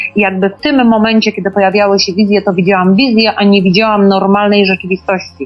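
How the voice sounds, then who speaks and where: A woman at a very fast pace with hardly any pauses and fairly even intonation, music playing in the background. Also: medium pitch for a woman. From Poland, Wrocław. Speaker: clairvoyant. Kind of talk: interview.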